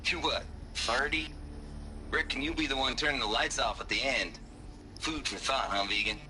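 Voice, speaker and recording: A man's voice: medium pitch, moderate pace, noisy background, natural voice. An actor playing a crude, cynical man who talks in a drawling, sardonic folksy way.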